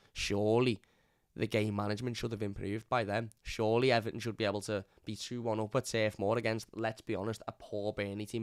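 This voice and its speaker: A hoarse man, hosting a live fan review and ranting bluntly. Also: on the low side, no room sound, studio quality. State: hoarse from lost voice. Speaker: fan channel host. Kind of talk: live stream match review.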